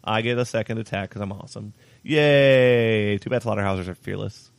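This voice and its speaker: A man's voice: on the low side, moderate pace, gravelly, clear, resonant tone, no echo. A young man casually commentating his own tabletop battle, joking about his mistakes and laughing often. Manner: self-mocking, laughs often. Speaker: player narrating his own recorded game.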